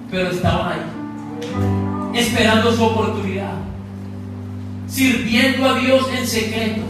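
A young man preaching a sermon as pastor, building to emphatic, half-sung lines. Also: very high voice. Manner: preaching with swelling emphasis, sometimes half-singing. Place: church hall with flags and balloons. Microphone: far camera at the back of the room. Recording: echoey hall heard from far off, piano behind.

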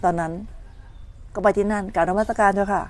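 Woman giving a calm dharma talk. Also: mid-range voice, brisk. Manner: storytelling, acts out complaining voices, checks listeners understand. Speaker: meditation teacher.

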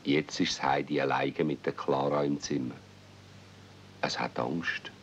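A man's voice: fairly even intonation, measured pace. A man with a Swiss German accent narrating a children's tale in a 1970s dialect radio play. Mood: storytelling. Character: male storyteller of a children's tale. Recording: dull, rumbly, noisy old cassette transfer.

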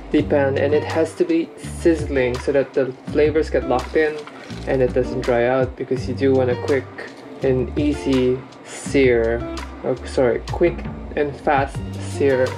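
A woman's voice: rumbling low, steady tone, measured pace, over music. A woman casually explaining each step as she cooks lunch in her home kitchen for a vlog. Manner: explains steps plainly, step by step. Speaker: vlogger cooking lunch. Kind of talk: casual cooking vlog voice-over.

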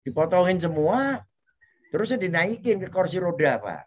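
A man's voice: high-pitched, sing-song, normal speed. A man, an interview guest, telling his life story with feeling, his voice rising when the story gets tense. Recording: dull lo-fi audio, faint noise.

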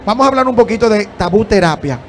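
A man in his thirties hosting a TV interview at a trade fair, upbeat and quick with his questions on a handheld mic. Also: sits high, expressive. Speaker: TV show host. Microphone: handheld microphone.

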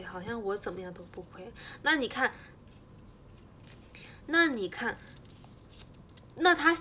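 A woman's voice: mid-range voice, fairly bright tone, dull audio, slight background noise. A young woman hosting a casual livestream, teasing her fans playfully and repeating herself as she chats. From China. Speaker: idol livestream host.

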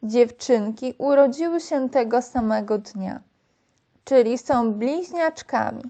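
A woman reading a children's story aloud as storyteller, in a slow, clear storytelling manner. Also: on the high side, mellow.

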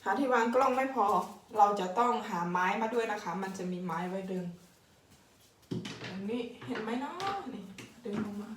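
A woman's voice: mid-range voice, moderate pace, slight background noise. Chatty woman in an echoey house. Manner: chatty and warm, addresses viewers as older siblings. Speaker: vlogger. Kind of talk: casual home-tour vlog. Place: indoors in a house under renovation. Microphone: camera mic. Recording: echoey room, distant from mic.

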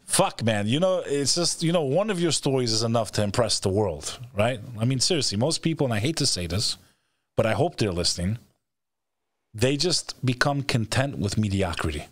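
On his show, a middle-aged man talks motivation in an interview setting, swearing bluntly and hammering home points by repeating phrases. His mid-range voice is animated and moderately paced. The sound is clean studio audio with no echo, from a close stand-mounted mic during a video call from an indoor studio.

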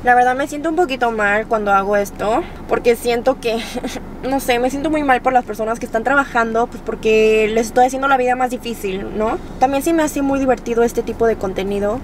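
A woman in her twenties vlogs from inside a car in a high voice. She chats in an animated, slangy and self-deprecating way, with slight car noise behind her. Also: brisk. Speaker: vlogger. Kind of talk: casual chat to camera. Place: inside a car, driving and parked. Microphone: camera on dashboard.

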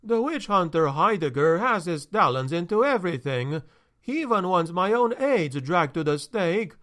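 Guy doing a nervous steward, voice shaking, higher, slow and pleading, jumps all over. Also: sing-song, fairly bright tone. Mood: agitated. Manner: shaky, agitated, slow and pleading. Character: anxious middle-aged male steward, fretful and pleading.

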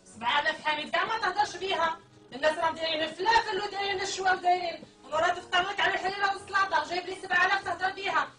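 A woman with an Algerian Arabic accent scolds and nags in a comedy sketch. Her voice is very high and races along, captured from afar in an echoey room with music under it. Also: fairly even intonation, rapid-fire, bright, forceful tone, recorded from a distance. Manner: scolding, nagging. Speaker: comedic actor.

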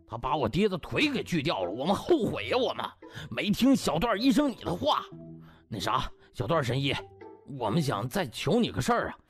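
A man voicing a big fat blustering man, coarse and excitable, in a comic audiobook. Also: on the high side. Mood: pleading.

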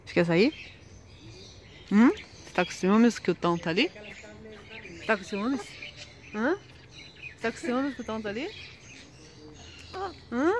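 A woman's voice: a little high, lively intonation, a little slow, long pauses, slight background noise. A woman with a Brazilian Portuguese accent talking to her pet birds on camera, cooing and asking them questions in baby talk. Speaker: bird keeper vlogger.

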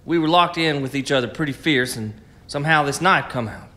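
Radio drama: hunted frontiersman, male actor, tense bright voice, stammering, evasive, stubborn. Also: a little high, fairly quick. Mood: anxious, evasive. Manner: stammering, pleading, argumentative.

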